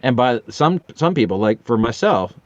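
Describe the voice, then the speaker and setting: A man's voice: medium pitch, very animated, normal speed. A middle-aged man chatting casually as a podcast guest, telling personal anecdotes in an earnest, joking way. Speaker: podcast guest, voiceover artist. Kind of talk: casual conversational storytelling. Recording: roomy, slightly dull lo-fi connection.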